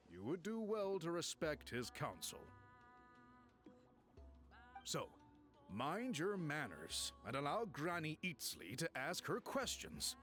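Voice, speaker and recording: A man voicing a calm, courteous male tribal chief who speaks in a measured, formal way. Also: on the high side, exaggerated voice.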